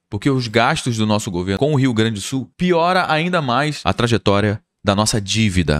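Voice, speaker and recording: The man's intonation is lively, his pace moderate, and the background quiet. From Brazil. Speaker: economics commentator on video channel; economics commentator. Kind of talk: explanatory talk to camera with charts. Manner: casual conversational. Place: home room. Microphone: studio mic.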